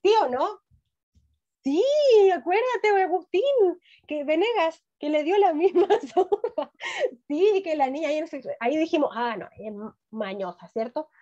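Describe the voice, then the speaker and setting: A woman's voice: very high-pitched, animated, unhurried, dark tone. A middle-aged woman teaching young children an online class, encouraging and full of questions. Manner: encouraging, asks many questions. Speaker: primary school teacher. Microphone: video call. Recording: dull lo-fi video call audio.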